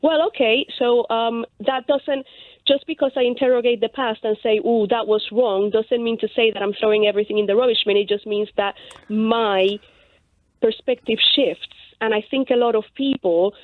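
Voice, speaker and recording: Female radio guest, a bit high, reflective and halting, tinny line. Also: steady tone, dry recording. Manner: thoughtful, searching for words, many ums. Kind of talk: radio discussion.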